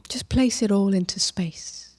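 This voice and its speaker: A woman leading a guided meditation as a teacher, gentle and unhurried, with long pauses and soft, breathy phrase endings. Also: mid-range voice, whispered.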